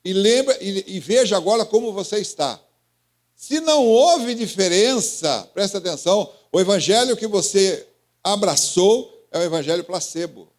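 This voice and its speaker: A man's voice: high-pitched, expressive, moderate pace. A Brazilian man preaching as pastor, calling on congregation members by name with questions and teasing. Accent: Brazilian Portuguese. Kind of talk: interactive sermon.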